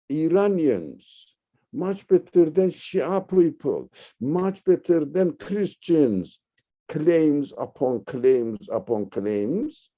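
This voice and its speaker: A man from Turkey, teaching religion in a discussion, halting and searching for words, then rising sharply to stress key points. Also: a little high, muffled recording. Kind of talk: lecture-style discussion.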